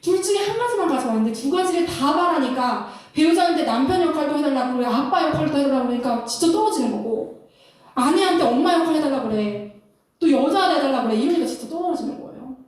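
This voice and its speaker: Woman, high lively voice, Christian counselor, animated lecture, laughs a lot, very echoey room, a bit off-mic. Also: quick pace, distant mic. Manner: animated, laughs often, acts out couples' lines. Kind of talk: lecture-style talk.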